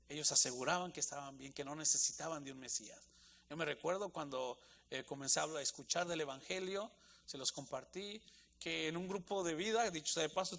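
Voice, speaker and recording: A pastor preaching with repetition and fervor. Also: male voice, fairly high pitch, gravelly, fairly bright tone. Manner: preaching with rising intensity, repeats phrases for emphasis. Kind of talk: sermon.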